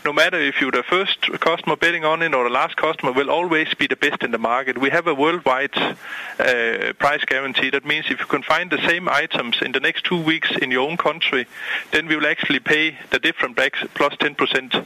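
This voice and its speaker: A man's voice: a little high, a little fast, bright, forceful tone, poor audio. A man from Denmark with a Danish accent, a company CEO speaking by phone, explaining his business with many fillers and restarts. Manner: hesitant, many fillers and repeated words. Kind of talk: phone interview, casual explaining. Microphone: phone line.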